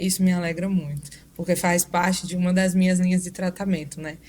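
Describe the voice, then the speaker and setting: A woman with a northeastern Brazilian accent speaks at medium pitch in a somewhat breathy voice. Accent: northeastern Brazilian (Paraíba). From Paraíba, northeastern Brazil. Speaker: physician. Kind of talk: podcast interview.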